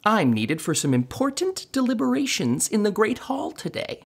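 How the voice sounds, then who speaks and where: A woman's voice: medium pitch, big pitch swings, normal speed, creaky, slightly rough, exaggerated voice. A woman playing an earnest, slightly prim young male clerk, a dutiful twin brother, in an audio drama. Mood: earnest, weary.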